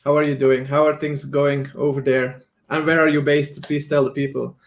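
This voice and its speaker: A man's voice: on the high side, level tone, normal speed, creaky. A man hosting a live online talk show, introducing a guest in a loose, friendly, rambling way over a video call. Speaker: host. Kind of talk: casual interview chat.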